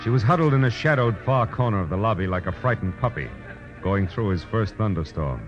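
Deep-voiced hard-boiled American private eye, played by a man. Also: expressive, brisk, lightly acted. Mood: wry, reflective. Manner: world-weary, terse, slangy. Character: hard-boiled male private detective narrating his case. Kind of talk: 1940s American radio noir narration and acting. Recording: dull vintage radio recording with music.

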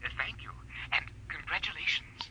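A man's voice: a little high, moderate pace, sharp tone. An actor playing a fussy, deferential male jeweler heard through a telephone filter in a 1940s radio drama. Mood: obliging. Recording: noisy old radio, phone-filtered voice.

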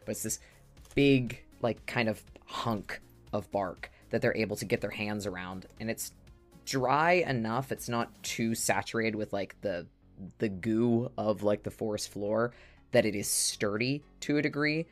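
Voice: medium pitch, a little slow, faint music behind. A tabletop player narrating a character's actions in a rambling way full of fillers.

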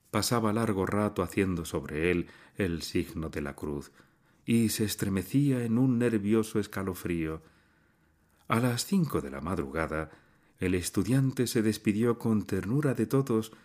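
A man narrating a classic short story in a measured, somber reading style. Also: deep voice, a little mellow. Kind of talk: literary audiobook reading.

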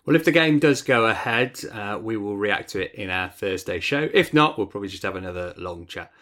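A man's voice: lowish voice, lively intonation, fairly quick, a bit bright. A man presenting a casual football podcast as host, chatty and lightly self-deprecating in a jokey way.

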